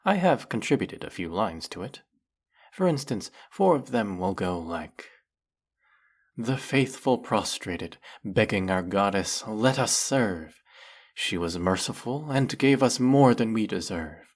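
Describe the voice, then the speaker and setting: A man's voice: low voice, full character voice. A man playing a devoted, flirty demon familiar in a fantasy audio drama, grandiose and reverent in manner. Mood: grand, reverent. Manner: grandiose, theatrical, reverent, obsequious.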